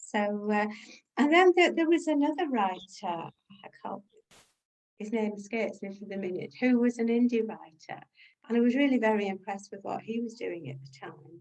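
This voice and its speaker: In a northern English accent, a woman speaks at a fairly high pitch and a moderate pace. Her pitch swings very widely and her loudness swings a lot. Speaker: crime novelist. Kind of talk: interview. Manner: halting.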